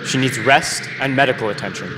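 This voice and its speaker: A man's voice: medium pitch, a little fast, background noise, close to an everyday voice. A teenage male actor playing a dogged, exasperated young pilot in a radio play, recorded live on stage. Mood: matter-of-fact.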